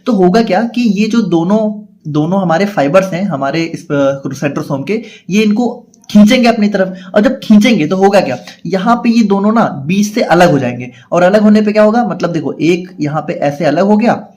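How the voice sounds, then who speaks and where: A man with a high voice teaches a pharmacy class, taking each step slowly and asking himself questions before he answers them. He reads definitions at a deliberate pace, then explains them again in casual terms. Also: lively intonation, darkish tone. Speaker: pharmacy tutor. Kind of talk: explanatory lecture.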